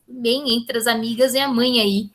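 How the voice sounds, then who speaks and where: A woman's voice: on the high side, steady tone, normal speed, a bit bright. A woman teaching literature in a casual classroom manner with a Brazilian Portuguese accent, reading verses aloud and checking in with her students through frequent tag questions.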